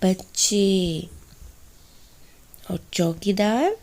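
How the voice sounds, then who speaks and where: Woman teacher sounding out hindi syllables for little kids, super slow, mellow voice. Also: medium pitch, expressive. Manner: slow, sounds out syllables and asks children to repeat. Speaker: primary school teacher. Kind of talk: children's Hindi lesson.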